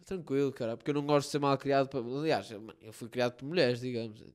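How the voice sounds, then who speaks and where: Young man, european portuguese accent, quick talker, slangy, swears a lot, casual chat. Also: mid-range voice, darkish tone. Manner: slangy, swears often, trails off and restarts.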